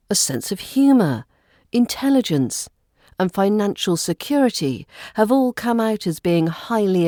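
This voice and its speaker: Mellow modern British RP woman teaching. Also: on the low side, no echo, clean studio sound. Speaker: English pronunciation teacher. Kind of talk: scripted lesson narration.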